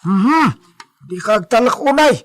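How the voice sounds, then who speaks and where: A man's voice: extremely high pitch, lively intonation, unhurried, a bit bright, full character voice. A man playing an older male farmhand who frets and scolds, sighing and exclaiming as he worries. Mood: worried. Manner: worried, fussing, many sighs and exclamations. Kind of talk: amateur audio drama acting.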